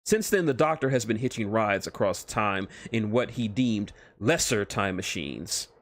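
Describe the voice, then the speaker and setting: A man's voice: fairly low pitch, expressive, a little slow, dry recording, clean studio sound. A man streaming a read-aloud of fan fiction as narrator, stumbling over words and correcting himself now and then.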